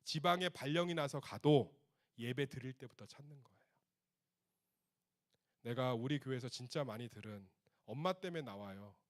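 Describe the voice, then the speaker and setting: A middle-aged man preaching a youth retreat sermon as pastor, telling stories animatedly and speaking to the teens in casual speech, swinging between loud outbursts and soft hushed passages. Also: medium pitch, normal speed, long pauses.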